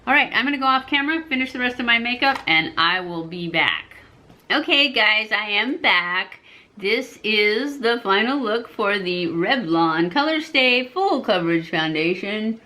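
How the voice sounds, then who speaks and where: A beauty vlogger in her fifties gives a casual, chatty makeup review to camera, rambling a bit and correcting herself along the way. Her medium-pitched voice is animated, pushed and bright, at a normal speed.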